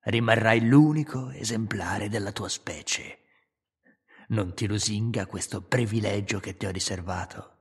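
A man's voice: lowish voice, a little slow, husky. A man doing a mad velociraptor villain. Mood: gloating. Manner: cold and scheming.

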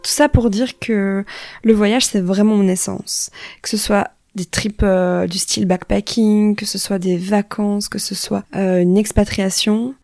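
A woman's voice: mid-range voice, fairly even intonation, measured pace, creaky, a little mellow, no echo. Young woman, close dry sound. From Wallonia, Belgium. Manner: informal, conversational, unscripted. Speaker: podcast host. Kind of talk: spontaneous solo podcast talk.

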